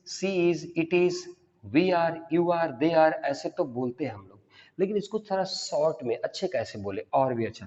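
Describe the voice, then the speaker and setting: A man's voice: on the high side, a little mellow, long reverb tail, lo-fi sound. A man teaching a spoken English lesson, explaining step by step and drilling phrases aloud.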